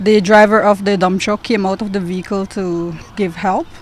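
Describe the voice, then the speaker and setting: A woman's medium-pitched voice, fairly even in intonation, comes through noticeable background noise. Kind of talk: eyewitness interview answer.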